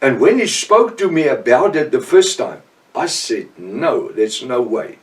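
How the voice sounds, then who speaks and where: A man's voice: mid-range voice, big pitch swings. Older south african guy w afrikaans accent teaching scripture, earnest, stops and restarts a lot, sounds a bit far from the mic. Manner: earnest, halting, with many restarts. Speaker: professor and preacher. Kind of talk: informal Bible teaching.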